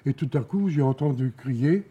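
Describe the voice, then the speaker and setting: An elderly man from Alsace recounting memories as an eyewitness, halting, repeating words and pausing between short phrases. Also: medium pitch, expressive, dark tone, slightly rough, highs cut off. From Alsace, France. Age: elderly, around 90. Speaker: war veteran giving eyewitness testimony. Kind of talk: spoken testimony, recounting memories.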